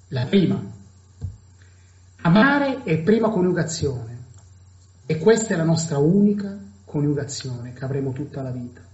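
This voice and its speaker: Emphatic preacher in an echoing room. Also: male voice, on the high side. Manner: slow, emphatic delivery with dramatic pauses. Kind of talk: sermon. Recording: echoey, dull lo-fi room sound.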